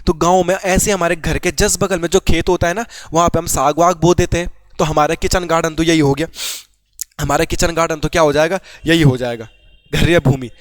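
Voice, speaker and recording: A young man from Garhwal, Uttarakhand, teaches an informal exam-prep lesson in a chatty way, asking his own questions and answering them. His voice is on the high side, with no echo.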